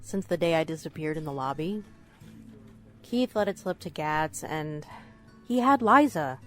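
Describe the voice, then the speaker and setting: A slightly low female voice, playing a loyal, concerned friend in an audio drama. She is gentle, plain and a little tentative, with faint music underneath. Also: expressive, a little slow.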